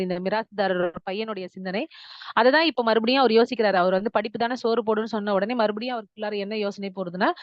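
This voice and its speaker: A woman's voice: on the high side, no room sound. A woman retelling a short story, explaining the plot and acting out the dialogue. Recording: dull muffled audio.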